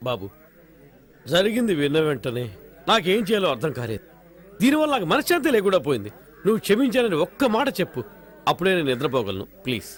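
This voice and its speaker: A fretful older father in a dubbed film, his very high, bright voice leaping about as he nags and begs. He piles on repeated words at a rapid clip. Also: huge pitch swings. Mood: pleading. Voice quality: exasperated, emphatic nagging. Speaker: film character.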